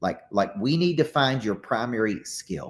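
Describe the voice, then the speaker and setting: On a very clean recording with a silent background, an animated man with a Southern US accent speaks at a moderate pace and medium pitch with lively intonation. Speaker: motivational coach and author. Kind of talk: casual monologue to camera. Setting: at his lodge.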